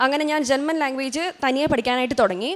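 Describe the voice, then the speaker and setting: A woman speaks in a high voice. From Kerala, Kottayam district. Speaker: churchgoer giving testimony. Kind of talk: testimony.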